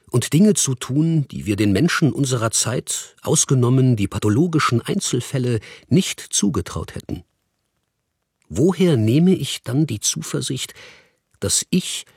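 Husky man reading with dry sound. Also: medium pitch, a little mellow, no echo. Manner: earnest, deliberate reading. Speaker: reader of a quoted text. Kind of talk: literary reading.

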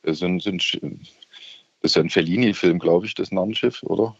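A man's voice: low-pitched, fast, creaky, breathy edge, no room sound, lo-fi sound. A middle-aged man with a Saxon accent calling in to a radio show, talking hesitantly with many fillers and restarts. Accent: Saxon German. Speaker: radio caller. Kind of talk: casual phone-in chat. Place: on holiday by the sea.

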